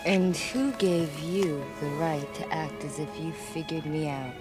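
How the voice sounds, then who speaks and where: A woman voicing a bitter young psychic gypsy woman in a 1990s video game cutscene, scornful and prone to mocking laughs, over violin music. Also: fairly low pitch.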